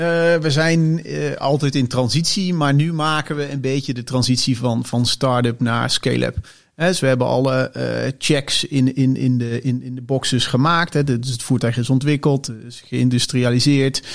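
With fairly even intonation, a man at a medium pitch talks at a fairly slow pace. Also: very clean recording, silent background. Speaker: company director. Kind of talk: casual chat. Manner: halting, many fillers.

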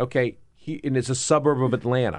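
This man talks at a medium pitch with a Southern US accent. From US South, South Carolina. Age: 50s. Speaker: fill-in radio host. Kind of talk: casual talk radio chat. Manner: animated.

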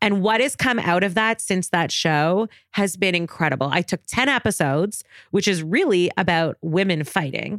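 An ordinary speaking voice from a woman, medium in pitch with lively intonation and very even loudness, at a moderate pace on a very clean recording with a silent background. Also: dry, close sound with no echo. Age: 30s. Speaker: reality TV personality and body positivity advocate. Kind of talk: casual chat.

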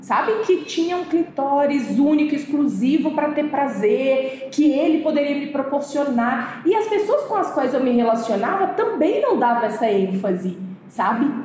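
A high-pitched woman at a moderate pace, hardly any pauses, very wide pitch swings, and noticeable background noise. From Brazil, Belo Horizonte. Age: 40s. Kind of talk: casual interview chat.

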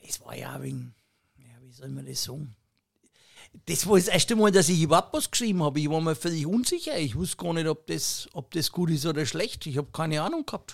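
In a very clean recording with a silent background, a man with a Franconian accent speaks at a fairly quick pace in a fairly high pitch, with big swings in loudness. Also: ordinary pitch variation. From Franconia, Fürth. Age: 50s. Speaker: beer sommelier and musician. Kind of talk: casual interview storytelling.

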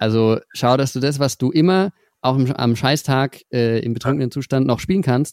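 In a normal speaking voice, a man talks at a moderate pace and medium pitch, with a dry, close sound with no echo. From Franconia, Germany (Lauf an der Pegnitz). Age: 20s. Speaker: musician and music student. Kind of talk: casual interview.

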